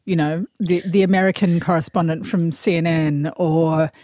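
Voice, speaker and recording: Measured woman interviewer, lowish voice. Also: steady tone, warm tone, no room sound, studio quality. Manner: measured, builds long questions. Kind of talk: interview questions.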